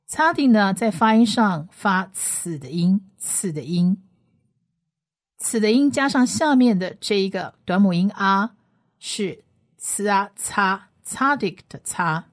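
A woman teaching biblical Hebrew on a radio lesson, patiently spelling out letters and repeating each sound slowly. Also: medium pitch, lively intonation.

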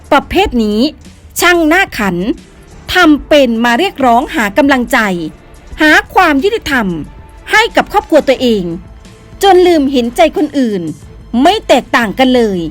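High-voiced woman narrating with scorn. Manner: scornful, condemning. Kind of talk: scripted news commentary narration.

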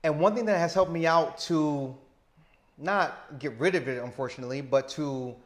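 A man in his thirties with a stutter, talking slowly and deliberately as an interview guest on a lapel mic indoors. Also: on the high side. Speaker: interview guest, teacher living abroad. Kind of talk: casual interview. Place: indoor lounge with sofa.

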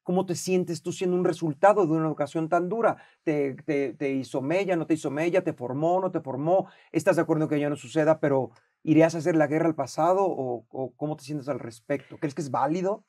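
Host, man, Mexican accent, middle-aged, high pitch, lively delivery that acts out quotes. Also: brisk, few pauses. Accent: Mexican Spanish. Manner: animated, acts out shouted quotes, swears freely. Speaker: podcast host. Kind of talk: casual conversation.

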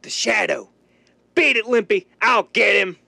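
Gravelly, forceful gangster thug. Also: male voice, sits high, measured pace, no echo, heavily acted. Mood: alarmed. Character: brutal, bossy male gangster thug. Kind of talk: 1930s radio gangster acting.

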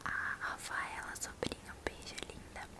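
A young adult woman from São Paulo state, Brazil, hosts an ASMR video, whispering intimately and unhurriedly as she casually answers viewers' questions. She speaks with a São Paulo accent into a large microphone right at her mouth, in a small indoor bedroom.

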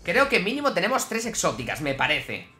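A man with a Spain Spanish accent giving excitable gameplay commentary to his viewers, swinging from grumbling to yelling. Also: sits high, brisk, faint music behind. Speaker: gaming YouTuber.

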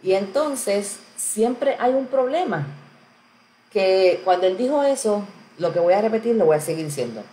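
A woman's voice: mid-range voice, lively intonation, normal speed, mellow. A woman hosting a live stream in casual chat, greeting viewers by name and answering their comments. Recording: roomy echo with faint background noise.

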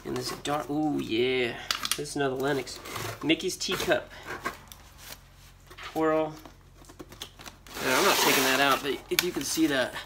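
Thinking aloud as he unboxes, this middle-aged American storage auction buyer and reseller speaks a little slowly with frequent pauses, in a gravelly mid-range voice and fairly even intonation. The noisy handheld recording, made in a concrete-floored storage unit, is full of crinkling, crumpling, clicks and loud rustling.

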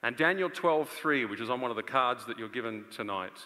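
A man in his thirties preaching a live sermon with earnest, rhetorical delivery and dramatic pauses. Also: mid-range voice, expressive, bright, forceful tone. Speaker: preacher and conference speaker. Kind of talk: live sermon to a large audience. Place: stage of a large indoor auditorium. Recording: long reverb of a large auditorium.

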